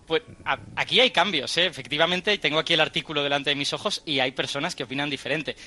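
Bright, lively man explaining science. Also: on the high side, a little fast. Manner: energetic, explanatory, quizzing the hosts. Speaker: science guest.

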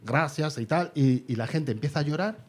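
Animated man telling a comedy anecdote. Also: a little high, fast, slight background noise. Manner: animated storytelling with quoted voices. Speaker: comedian telling a gig story. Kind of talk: casual podcast chat.

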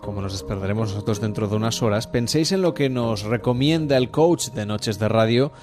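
A man's voice: on the low side, fairly quick, over music. A man hosting a late-night radio show, reading the day's events and teasing a guest in playful banter.

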